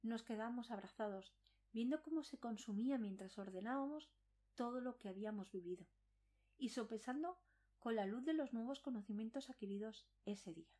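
A woman's voice: on the high side, moderate pace, dark tone. A woman reading a scripted first-person supernatural horror story as a dramatic narration.

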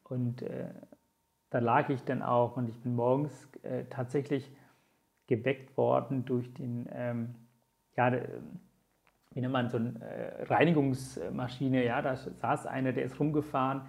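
Gravelly man, Tamil native, recounting slowly. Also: mid-range voice, little pitch movement, a little mellow. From Sri Lanka. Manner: many hesitation fillers, earnest and reflective. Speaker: interview guest. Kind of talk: conversational storytelling.

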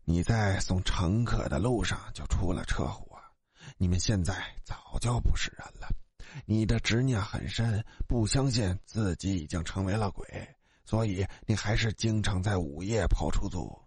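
A man voicing a ghost dressed in white who calmly leads a dead taxi driver to the afterlife, speaking low, slow and hushed. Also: husky, no echo. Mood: grave.

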